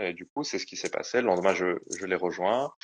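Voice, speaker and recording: A man at a moderate pace. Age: 30s. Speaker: podcast co-host. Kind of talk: casual chat.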